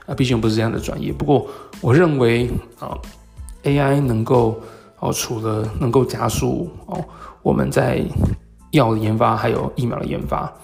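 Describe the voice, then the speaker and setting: A man with a Taiwanese Mandarin accent and a gravelly voice hosts a solo podcast talk, explaining things in a halting way with hesitant pauses. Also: mid-range voice, darkish tone. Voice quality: gravelly, creaky. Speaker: podcast host. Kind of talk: solo talk explaining tech and market topics.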